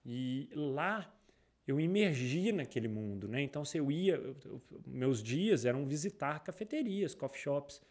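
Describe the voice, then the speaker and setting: In an unhurried, high-leaning voice, a Brazilian man with a Brazilian Portuguese accent shares stories as an interview guest. The entrepreneur's casual storytelling rambles, with many restarts and animated retellings.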